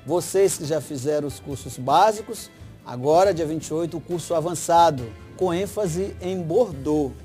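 A man's voice: a little high, moderate pace, dark tone, faint music behind. A middle-aged man explaining wines as a guest sommelier on a TV studio set, emphatic and salesy, on a lapel mic. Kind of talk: TV wine talk and promotion.

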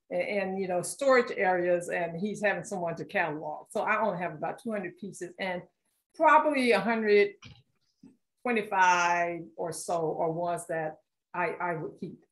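A woman's voice: mid-range voice, a bit bright, roomy sound, poor audio. A woman art collector from Philadelphia, talking casually as a guest at an author talk, with many fillers and restarts. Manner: chatty, many fillers and restarts, laughs often.

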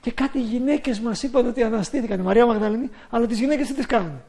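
A man preaching a sermon in an emphatic way, rising to loud exclamations. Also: very high voice.

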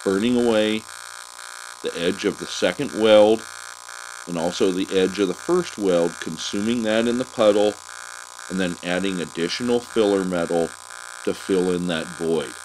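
A man giving a calm, methodical voice-over as a welding instructor, walking through settings and technique step by step. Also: low-pitched, moderate pace, noisy background.

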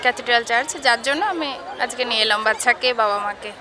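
A young woman with a Bengali accent, a mother answering a street interviewer haltingly with many fillers. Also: a little high. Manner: halting, fills with "mane". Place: crowded churchyard outdoors. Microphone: reporter's handheld mic. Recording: clear crowd noise outdoors.

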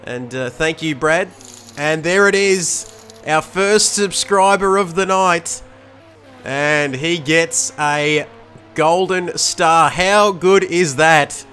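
Hoarse excitable man commentating sim racing. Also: fairly high pitch, slow, faint music behind. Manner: excitable, chatty, many fillers. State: losing his voice after flu. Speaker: race commentator.

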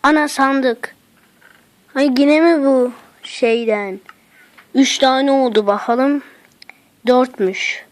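This woman's voice sits high and moves slowly, with frequent pauses. She's a gaming channel host narrating a let's play as she roams a game map, letting out exclamations, talking under her breath, and dropping slang.

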